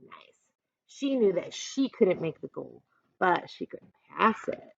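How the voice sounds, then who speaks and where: A woman's voice: fairly low pitch, very animated, slow pace, creaky, dull audio. A woman teacher reading a picture book aloud expressively, adding instructive asides and questions for listeners.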